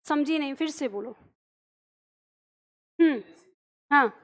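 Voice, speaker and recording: A woman's voice: high-pitched, slow. A woman teacher patiently explaining a lesson to her students, often checking that they follow along. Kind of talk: classroom lesson.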